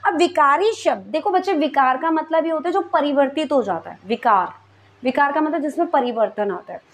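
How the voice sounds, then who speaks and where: A woman's voice: high voice, lively intonation, a little fast. A woman teaching a Hindi grammar lesson to school students, patient and step by step, often checking in with her class. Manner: patient, explains step by step and checks in with "theek hai".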